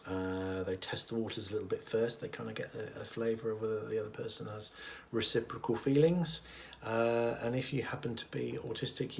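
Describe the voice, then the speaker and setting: A man with a cold and a husky voice, talking casually and thoughtfully to camera about a mental health topic, pausing often with fillers. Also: lowish voice, a little hiss or hum. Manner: thoughtful, hesitant with many fillers, chuckles softly. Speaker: therapist. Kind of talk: casual educational talk to camera.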